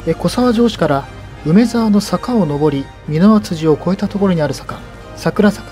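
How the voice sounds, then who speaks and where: A man's voice: sits high, lively intonation, moderate pace, over music. A man narrating local history as an explanatory guide.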